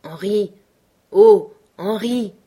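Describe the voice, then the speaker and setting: A woman's voice: lowish voice, normal speed, natural voice. A woman reading the part of a worried adult male trapper in a storybook, with insistent, anxious questions.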